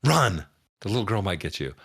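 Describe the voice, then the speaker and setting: A man running a tabletop game as game master, narrating casually in a halting, joking, improvised way. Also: low voice, lively intonation, gravelly, fairly bright tone, no room sound, studio quality.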